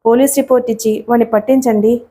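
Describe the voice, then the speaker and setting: A woman's voice: fairly high pitch, fairly even intonation, quick pace, mellow, close to an everyday voice. A woman voicing an anxious middle-aged mother who speaks in a pleading, heartfelt way.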